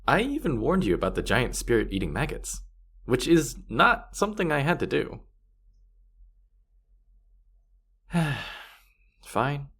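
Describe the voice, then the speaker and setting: A man's voice: mid-range voice, very animated, moderate pace, fairly bright tone, breathy edge, heavily acted. A man playing a playful, boastful spirit guide of the afterlife in a fantasy audio roleplay, with teasing, theatrical, mock-sympathetic delivery. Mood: mock offended.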